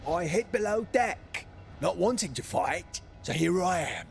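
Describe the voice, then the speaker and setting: A quirky stowaway who dodges fights for a video game. He is chatty and timid, with a raised, creaky voice that bounces around. Faint music plays behind. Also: sits high, expressive, measured pace, full character voice. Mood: chatty, sheepish. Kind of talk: video game character acting.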